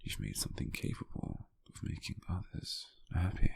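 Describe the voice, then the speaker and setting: A British man playing a gentle, doting, teasing lover in an intimate, breathy, half-whispered ASMR roleplay, close to the microphone. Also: no echo, lightly acted. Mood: soft, musing. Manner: slow, tender, softly teasing.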